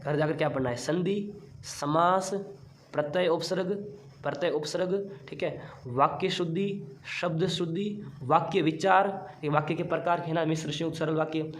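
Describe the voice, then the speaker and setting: A man teaching an online exam-prep class in a playful, chatty way, teasing his students. He mentions he has been unwell. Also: a little high.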